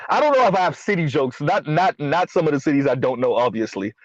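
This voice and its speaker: Guy cracking jokes on a panel, kinda high voice, dull dry audio. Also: expressive, fast talker. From South Florida. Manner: joking, laughs at his own jokes. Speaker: podcast host. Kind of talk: casual panel chat.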